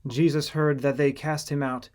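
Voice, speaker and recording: Male audiobook narrator, fairly high voice, reading scripture as scripted narration. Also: little pitch movement, normal speed, darkish tone.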